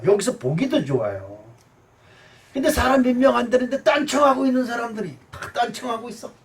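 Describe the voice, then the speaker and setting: A male pastor giving a sermon, animated, swinging from shouts down to quiet murmurs. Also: high-pitched, far from the mic, a little hiss or hum.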